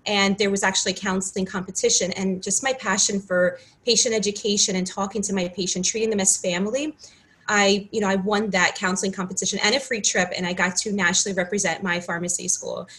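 Her mid-range voice stays fairly even and a bit bright as she speaks quickly in a laid-back interview. The speaker, a Ukrainian pharmacist in her thirties, comes across earnest, restarts frequently and says "you know" again and again. The recording is rough.

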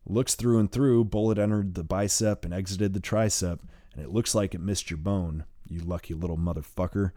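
A man voicing a calm, gruff man in charge who gives orders with dry humor. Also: low-pitched, moderate pace, hardly any pauses, dry recording, lightly acted. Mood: commanding. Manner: coolly commanding, drawling.

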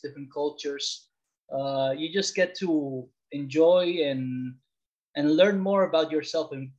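A man from the Dominican Republic, around forty, talking about himself casually as an interview guest. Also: a little high. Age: late 30s or older. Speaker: podcast guest. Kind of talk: casual interview, personal storytelling. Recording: slightly dull, lo-fi audio.

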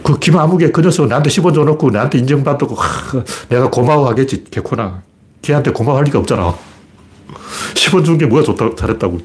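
A man's voice: on the high side, expressive, quick pace, darkish tone, slight background noise. A man hosting his own commentary broadcast, talking in a blunt, colloquial and argumentative way with many rhetorical questions. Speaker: political commentator.

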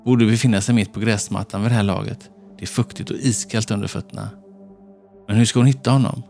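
Low gravelly male narrator. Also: fairly even intonation, warm tone. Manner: tense, measured storytelling. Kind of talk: scripted horror narration. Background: faint background music.

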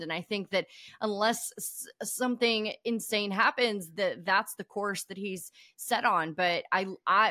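A woman's voice: mid-range voice, sharp tone, no echo, studio quality. A woman co-hosting a baseball podcast, speaking thoughtfully and measuredly, often checking in with "right?". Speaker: podcast co-host. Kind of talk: casual sports chat.

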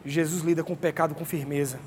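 Man, pastor, sermon, high voice, emphatic and chatty, long hall echo. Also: steady tone, fast, darkish tone. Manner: conversational and emphatic, calls out to listeners. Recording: long hall reverb, faint background noise.

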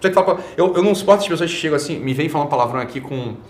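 Racing along in an expressive, fairly high voice, a male online show host rants bluntly and casually, swearing, using slang and tossing out rhetorical tag questions. The audio carries a roomy echo plus a little hiss or hum.

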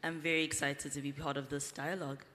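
A woman's voice: low voice, little pitch movement, fast, very noisy. A woman with a South African accent introducing herself as a panelist. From Johannesburg, South Africa. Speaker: panelist, podcaster. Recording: echoing hall, distant miking.

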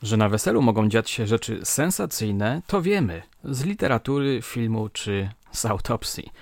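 A man's voice: fairly low pitch, moderate pace, a little hiss or hum. A man hosting a storytelling show, reading old crime reports aloud dramatically and chatting with listeners between stories. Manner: dramatic reading with lively quoted shouts. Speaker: podcast host.

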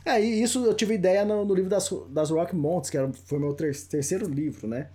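A man's voice: high voice, fairly quick, warm tone, breathy edge. A Brazilian man with a Brazilian Portuguese accent, a book author chatting as a podcast guest, telling anecdotes with laughs. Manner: laughing storyteller, acts out quoted voices. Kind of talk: casual chat.

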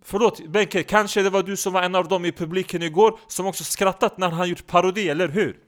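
A man voicing a brash, excitable comedian who speaks loud, broken Swedish. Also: high voice, natural voice. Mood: cheeky. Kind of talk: comedy podcast sketch.

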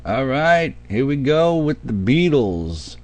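A man with a mid-range, sing-song voice speaks slowly as he hosts a radio show. In chatty, folksy DJ patter he addresses his listeners directly, handling ad reads and the weather.

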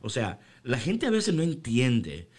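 Animated man chatting on radio. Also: medium pitch, unhurried, husky. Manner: animated, mixes English phrases. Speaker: radio devotional co-host. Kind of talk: casual faith chat.

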